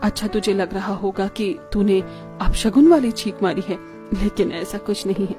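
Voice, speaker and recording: A woman voicing a kind, caring middle-aged mother-in-law in an animated story, speaking in a calm, motherly tone. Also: mid-range voice, normal speed, music in the background, natural voice.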